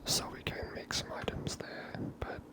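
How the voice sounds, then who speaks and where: A gamer giving gentle, hushed ASMR commentary over a video game, whispered close to the microphone. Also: moderate pace. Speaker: ASMR gamer, channel host.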